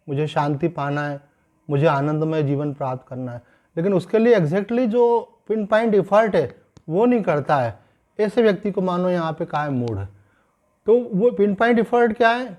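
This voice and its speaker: Swami guy, fairly high voice, calm teaching tone, drops in english words and slows down on the big points. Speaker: swami giving a scripture discourse. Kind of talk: sermon.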